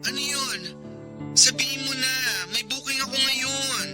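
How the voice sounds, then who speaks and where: A sassy, campy gay best friend with a high, bright voice, teasing and scolding in quick bursts. Loud music plays behind him throughout this radio drama. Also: male voice, flat delivery. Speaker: Abby's best friend Anton. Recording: music playing loudly behind.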